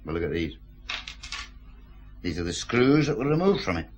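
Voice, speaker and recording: Smug Glasgow police scientist, dry, low. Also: male voice, sing-song, normal speed, muffled recording, a little hiss or hum. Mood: explaining. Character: wry Glasgow police forensic scientist, pleased with himself. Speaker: police forensic expert. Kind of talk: radio drama acting.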